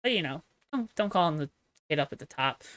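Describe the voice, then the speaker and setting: A woman's voice: low-pitched, lively intonation, fast talker, a bit bright, no echo. A young adult woman co-hosting a podcast, chatting casually in a chatty, self-deprecating, joking way. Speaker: podcast co-host. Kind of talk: casual chat.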